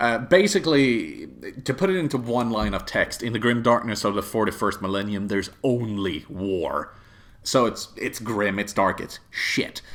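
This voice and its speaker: A man with a non-native accent speaks at a moderate pace. His medium pitch carries lively intonation. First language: not English. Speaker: YouTube commentator. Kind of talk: casual discussion. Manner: halting.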